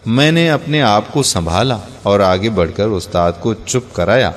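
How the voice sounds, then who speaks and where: A man's voice: fairly low pitch, lively intonation. A man earnestly narrating a heartfelt first-person moral story, ending in pleading appeals to his listeners. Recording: long reverb on the voice.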